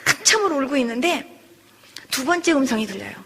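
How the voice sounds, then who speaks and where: Woman pastor, high voice, emotional testimony with acted-out dialogue; long hall reverb. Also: a little fast. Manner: animated storytelling, acts out quoted dialogue, voice rises into pleading.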